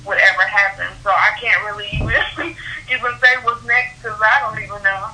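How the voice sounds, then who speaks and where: A young woman from Houston, a henna artist telling stories in a casual interview, animated and laughing often. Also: mid-range voice, slight background noise, poor audio. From Houston, Texas. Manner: animated storytelling, quick laughs.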